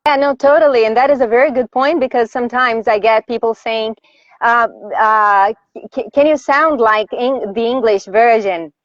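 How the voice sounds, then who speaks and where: A woman's voice: a little high, normal speed, dry recording, dull audio. A woman from Brazil, a voice actor, answering interview questions in a thoughtful, easy-going way. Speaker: voice actor guest. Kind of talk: live online interview.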